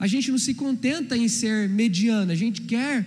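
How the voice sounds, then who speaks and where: Audible room echo colors a man's high-pitched voice, which has ordinary pitch variation. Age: 30s. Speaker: pastor. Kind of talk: sermon. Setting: church.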